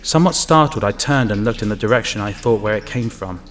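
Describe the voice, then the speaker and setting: A man's voice: lowish voice, lively intonation, quick pace, natural voice. A man playing an uneasy utility inspector alone in the sewers, narrating an audio drama and musing to himself. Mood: brooding, watchful narration. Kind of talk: first-person narrated audio drama with muttered asides.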